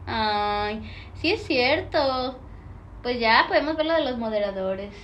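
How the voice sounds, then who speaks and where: A woman's voice: on the high side, a little hiss or hum. A young woman with a Mexican Spanish accent chatting casually on a livestream, reading viewer comments, slangy and playful, laughing often.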